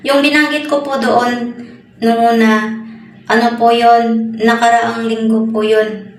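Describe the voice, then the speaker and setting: A woman from the Philippines working abroad as a nanny, giving a soft-spoken, polite personal account. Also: a little high, level tone, a little slow. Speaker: overseas nanny. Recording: echoey room with faint noise.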